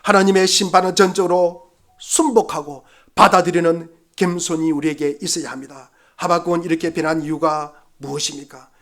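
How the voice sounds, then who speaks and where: A male pastor delivering a Sunday sermon with a notably high-pitched voice. He preaches fervently and repeats key phrases for emphasis. He swings from loud, urgent exhortation down to quiet, hushed lines.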